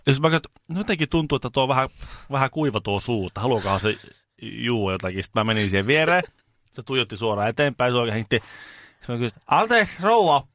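A man co-hosting a casual radio chat, telling stories in an animated way in a studio. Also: mid-range voice, no room sound. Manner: animated storyteller, shouts when acting out a scene. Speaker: radio show co-host.

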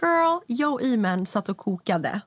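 A woman co-hosting a casual chat who retells scenes excitedly and keeps saying "girl" in English. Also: fairly high pitch, no echo.

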